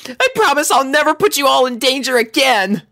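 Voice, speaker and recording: A woman's voice: high voice, lively intonation, fairly quick, pushed and bright, voice pushed up, full character voice. A woman voicing a tomboyish young female pony, earnest and a little awkward, in a cartoon storybook style. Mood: tearful apology. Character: tomboyish young female pegasus pony, guilty but protective. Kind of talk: cartoon fan fiction character voice.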